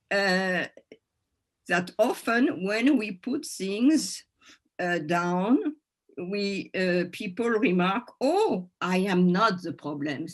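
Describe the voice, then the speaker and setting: Slow, halting French-accented woman teaching. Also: lowish voice. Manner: halting, searching for words in a second language. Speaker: workshop presenter. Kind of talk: informal teaching talk to a group.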